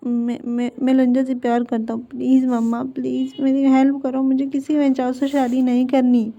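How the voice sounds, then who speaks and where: A woman's voice: high-pitched, little pitch movement, normal speed, mellow. A woman voicing an anxious young man who stammers and pleads, in a dull lo-fi recording. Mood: pleading.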